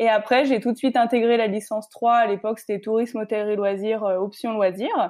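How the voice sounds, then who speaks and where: A woman with a plain, everyday voice speaks fairly fast, fairly high in pitch, with fairly even intonation. She leaves hardly any pauses, and the background is quiet. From Savoie, France. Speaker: freelance event organizer. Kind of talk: podcast interview.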